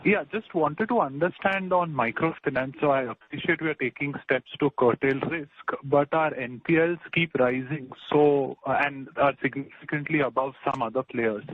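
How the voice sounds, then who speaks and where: A man's voice: fairly high pitch, normal speed, hardly any pauses, no room sound. A man asking polite analyst questions on a conference call over the phone. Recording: tinny phone line with faint noise.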